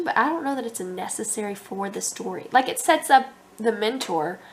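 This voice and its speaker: A woman's voice: mid-range voice, a little hiss or hum. Stuffy-nosed woman vlogging about writing. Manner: rambling, thinking aloud with many ums. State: stuffy, congested. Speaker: author vlogger. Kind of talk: casual writing vlog.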